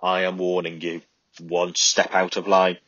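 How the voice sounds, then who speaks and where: A man's voice: low voice, monotone, a little slow, a bit bright, no room sound. A man doing a snarling bully sergeant. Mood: menacing. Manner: snarling, menacing. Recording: dull lo-fi recording.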